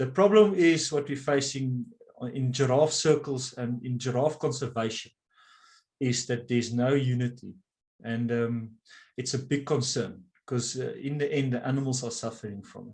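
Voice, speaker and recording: Over a quiet background, a man with a South African accent speaks at a moderate pace and medium pitch. His voice is somewhat breathy, with ordinary pitch variation. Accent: South African (Afrikaans) English. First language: Afrikaans. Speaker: wildlife researcher. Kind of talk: online presentation and Q&A. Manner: halting.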